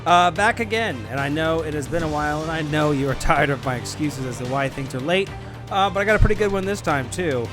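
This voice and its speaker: A man's voice: a little high, lively intonation, quick pace. A man hosting a podcast, giving a casual, informal update to listeners with music playing behind him. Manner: chatty, informal. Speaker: podcast host. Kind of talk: casual spoken announcement to listeners.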